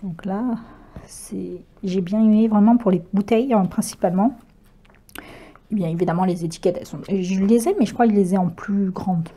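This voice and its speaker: A woman talks through her craft purchases in a loose, chatty way, pausing on fillers and correcting herself as she goes. Her voice is mellow and warm rather than bright, and her pitch sits in a middle range. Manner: chatty, hesitant, many fillers and self-corrections, laughs easily. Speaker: craft vlogger. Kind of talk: casual unboxing chat.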